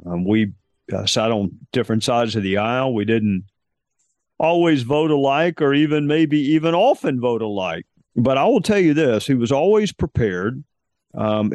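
A man hosts an interview podcast in a calm, measured voice. He speaks thoughtfully, with pauses and a few fillers. The sound is dry and close, with no room echo. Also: mid-range voice. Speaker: podcast host. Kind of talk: conversational interview.

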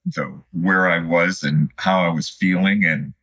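Deep, bright, husky man in his fifties. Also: steady tone, a little slow, dull audio. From Chicago, United States. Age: 50s. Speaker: podcast guest, student physical therapist. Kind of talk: conversational interview answers.

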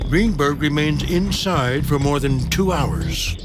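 Higher-voiced American man, dramatic tabloid TV narrator. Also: slow pace. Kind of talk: scripted true-crime documentary narration. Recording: music playing behind narration. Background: dramatic background music.

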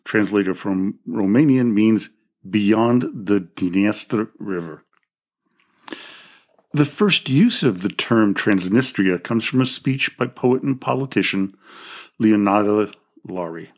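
A man's voice: on the low side, slow pace. A man hosting a history podcast, reading a scripted narration with the odd slip and self-correction. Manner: reads from a script with small slips and self-corrections. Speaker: podcast host.

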